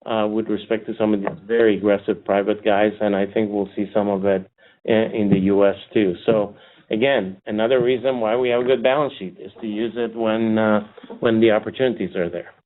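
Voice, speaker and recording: A man with a fairly low voice answers as an executive on a conference call. He speaks off the cuff, pausing and restarting as he goes. The sound is a thin, tinny phone connection. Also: steady tone. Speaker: company executive answering analysts. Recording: narrow tinny phone line.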